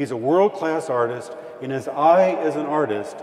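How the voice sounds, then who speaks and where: There is noticeable background noise behind this man. He has an American accent and a fairly high pitch. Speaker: optical scientist and professor. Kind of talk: lecture.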